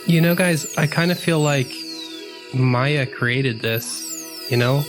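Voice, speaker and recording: With music playing underneath, a man speaks at medium pitch and a slow pace. He's playing a tabletop game with friends, chatting casually in character in a hesitant, rambling, slangy way.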